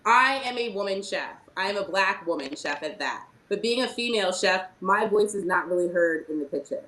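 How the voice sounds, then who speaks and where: A woman's voice: mid-range voice, animated, fairly quick, a bit bright, roomy sound, a little hiss or hum. A woman chef speaking earnestly and emphatically on a panel about her experience at work. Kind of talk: panel discussion, personal story.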